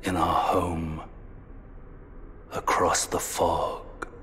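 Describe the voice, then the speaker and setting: A male actor playing a grave, deliberate storyteller of a fallen realm in a dark fantasy game, with a breathy delivery. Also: deep voice, flat delivery, a little hiss or hum, heavily acted. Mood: solemn, grave. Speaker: narrator. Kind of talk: solemn scripted dark fantasy game narration.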